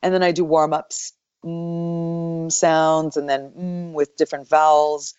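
A woman voice actor being interviewed, explaining her craft thoughtfully, her voice still deep from the morning. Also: level tone, slow pace, clean tone, no echo, dull audio. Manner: thoughtful, explanatory, with soft laughs. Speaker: voice actor guest. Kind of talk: interview answers.

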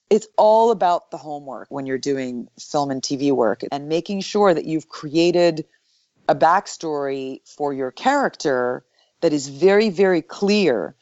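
A woman voice actor being interviewed, explaining her craft thoughtfully, her voice still deep from the morning. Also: no room sound, highs cut off. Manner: thoughtful, explanatory, with soft laughs. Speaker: voice actor guest. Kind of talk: interview answers.

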